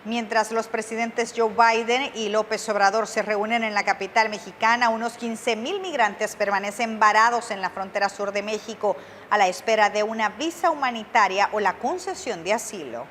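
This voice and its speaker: A woman's voice: medium pitch, moderate pace, a bit bright, soft background music. Female news anchor, reverberant sound. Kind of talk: read news.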